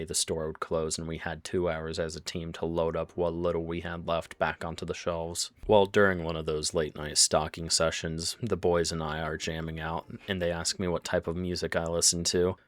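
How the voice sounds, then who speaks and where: A young man with a cold telling a crude, sarcastic story about his old job, swearing often. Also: sits low. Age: young adult. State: has a cold. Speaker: storytime narrator. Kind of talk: casual storytelling.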